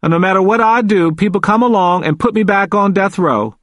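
A man's voice: high-pitched, sing-song, normal speed, fairly bright tone, no echo, studio quality, pitched above the performer's own voice. A man voicing a confused, vulnerable elderly man in an audiobook, emphatic and repetitive, with folksy grammar. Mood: mournful, agitated. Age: older. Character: confused, frightened elderly man pleading in hospital.

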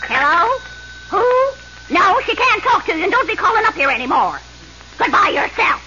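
A woman's voice: very high voice, very animated, moderate pace. A woman playing a cruel wicked stepmother, curt and scolding, in an old radio comedy. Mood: snappish, scolding. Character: cruel, snappish wicked stepmother of a fairy-tale princess. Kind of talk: 1930s-40s radio comedy acting. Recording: noisy, muffled old radio recording.

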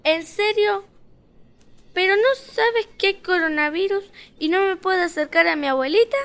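A woman playing a bossy, fed-up, rebellious little Red Riding Hood in a comic audio story, sassy, impatient and quick to interrupt. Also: extremely high pitch, gravelly, fairly bright tone, exaggerated voice. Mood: exasperated. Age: young girl figure. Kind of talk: comedic audio fiction acting.

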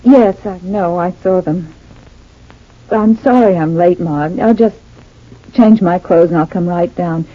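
An actress playing an earnest, hesitant grown daughter, in old radio-drama style. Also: female voice, fairly low pitch, a little slow. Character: troubled grown daughter of a family. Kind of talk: 1940s radio acting. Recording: tinny thin old radio recording.

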